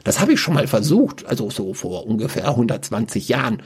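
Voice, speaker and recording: A man voicing a gaunt, pale, centuries-old male black mage with a husky voice who talks in a chatty, mocking way. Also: mid-range voice, very animated, brisk, exaggerated voice.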